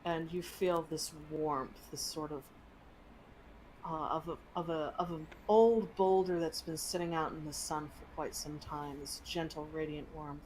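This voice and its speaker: A woman with a low voice narrates a tabletop game as its game master. Her delivery is slow, halting and descriptive. There is faint room noise behind her. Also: a little mellow, low-quality recording.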